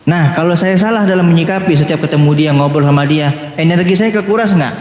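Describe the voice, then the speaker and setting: A man preaching a lively sermon, joking and asking his audience questions. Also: a little high, fast talker. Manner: animated, playful, asks the crowd questions. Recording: echoey hall with long reverb.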